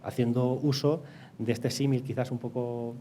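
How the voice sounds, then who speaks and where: A man with a Castilian Spanish accent speaks in a mellow, mid-pitched voice. He explains things as an interview guest, hesitating and repeating words. There is light ambient noise behind him. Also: steady tone, normal speed. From Castilla-La Mancha, Spain. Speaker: interview guest, energy company project director.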